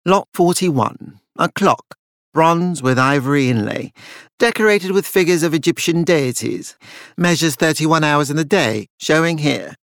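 A man's voice: on the high side, lively intonation, a little slow, creaky, fairly bright tone, no echo, clean studio sound, heavily acted. A man voicing a formal, unflappable Victorian auctioneer in a gothic audiobook, calling lots and bids in a clipped manner. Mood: brisk, formal.

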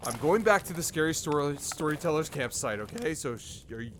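A man's voice: fairly high pitch, expressive, fairly quick, background noise, close to an everyday voice. An actor voicing a panicky, cranky old male campfire storyteller who shrieks and curses. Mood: dazed muttering. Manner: shrieking, cursing, easily terrified.

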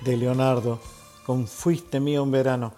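A man speaking as host of a tribute, reminiscing in a reflective way with pauses between phrases. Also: mid-range voice, fairly even intonation, mellow, soft background music. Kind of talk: spoken personal reminiscence.

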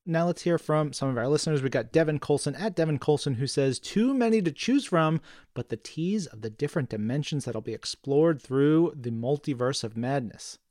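A man co-hosting a podcast in casual chat, playful and animated as he reads out listener messages on a studio mic. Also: fairly high pitch, moderate pace, no echo. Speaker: podcast co-host.

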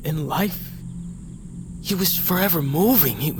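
An actor playing a fierce, hot-blooded young tribal warrior, intense and bitter, in an audio fiction drama. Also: male voice, fairly high pitch, measured pace, background noise, lightly acted. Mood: grieving, bitter.

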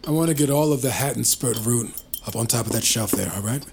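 An actor playing a calm, mercurial sorcerer-doctor who speaks in a measured, commanding way. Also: male voice, medium pitch, gravelly, background noise, close to an everyday voice. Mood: brusque. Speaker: actor in audio drama. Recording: loud score mixed under voice.

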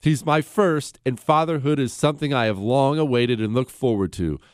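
A man hosting a talk radio show in an animated, sarcastic monologue, his voice slightly stuffy from allergies. He talks at a mid pitch that jumps high when he mocks and drops low when he turns serious. The studio sound is close and dry. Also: normal speed, no echo. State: congested from allergies.

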